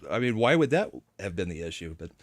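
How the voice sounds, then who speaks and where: Deep-voiced man in his forties. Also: sing-song, fast talker, a crowd in the background. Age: 40s. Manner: easygoing, chuckles while telling stories. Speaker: panelist. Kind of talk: casual panel chat.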